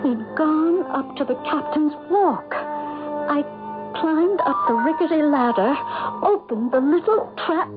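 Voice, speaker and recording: An actress playing an anxious, distraught wife in a 1970s radio drama, with dramatic, emotional delivery. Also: female voice, sits high, takes it slowly. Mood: tense narration. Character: anxious, distraught wife recounting her ordeal. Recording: phone-like old radio recording, music behind.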